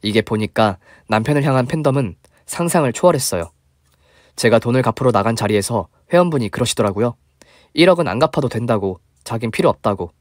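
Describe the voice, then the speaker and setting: A man's voice: medium pitch, animated, quick pace, no room sound. A man giving scripted storytelling narration in a chatty, confiding manner.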